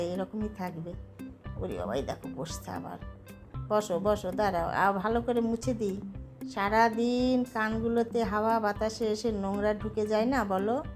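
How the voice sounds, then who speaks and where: Woman home vlogger, chatty and friendly, middle pitch, clear music bed underneath. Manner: chatty, addresses viewers as friends. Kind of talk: casual home vlog.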